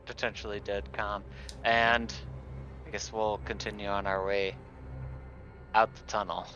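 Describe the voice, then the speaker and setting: Slow-paced, bright-voiced man on dull mic. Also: fairly low pitch, level tone, a little hiss or hum. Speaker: tabletop game player. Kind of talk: casual in-game talk.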